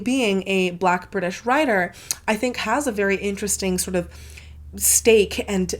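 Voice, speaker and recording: A congested woman hosting her book channel, gushing in a casual, filler-heavy review with plenty of swearing. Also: medium pitch.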